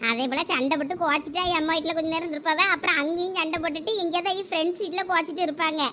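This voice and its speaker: A woman's voice: extremely high pitch, steady tone, very fast, sharp tone, a little hiss or hum. A woman doing a dismissive know-it-all college girl. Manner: dismissive, chattering.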